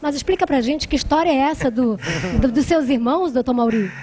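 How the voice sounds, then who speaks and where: A Brazilian woman hosts a live television talk show with a high, bright-sounding voice. She chats easily with her guests and turns to the viewers with appeals. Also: a little fast, a crowd in the background. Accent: Brazilian Portuguese. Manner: chatty, makes appeals to viewers.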